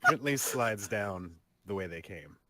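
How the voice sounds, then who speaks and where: A man's voice: on the low side, expressive, measured pace, very noisy. A man playing in a tabletop game, speaking formally and theatrically as he narrates his character.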